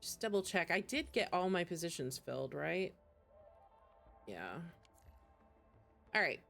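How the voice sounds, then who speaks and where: A woman's voice: on the low side, sing-song, measured pace, creaky, fairly bright tone. Chatty gamer lady on stream, kinda self-deprecating, game music playing behind her. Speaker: game livestreamer. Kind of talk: casual gaming stream chat.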